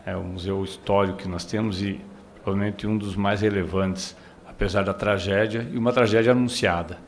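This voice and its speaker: A man chairing a committee hearing, making measured formal remarks. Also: lowish voice, fairly even intonation, slight background noise.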